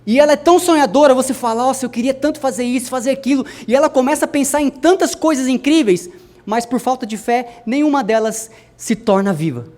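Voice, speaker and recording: A young adult man preaching a sermon to a congregation, speaking to them directly and swinging his voice from soft to loud. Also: quick pace. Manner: addresses the congregation directly, wide swings in pitch and loudness.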